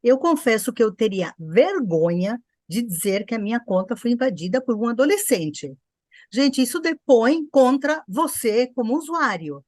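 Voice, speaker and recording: A woman's voice: on the high side, very animated, normal speed, darkish tone, dry recording, studio quality. A woman panelist in casual talk, speaking emphatically with ironic asides. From Brazil.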